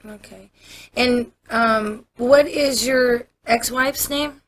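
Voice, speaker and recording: A woman's voice: on the high side, steady tone, takes it slowly. American policewoman, procedural, on noisy audio. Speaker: police officer interviewing a suspect. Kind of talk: police interview, explaining procedure. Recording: noisy interview room audio.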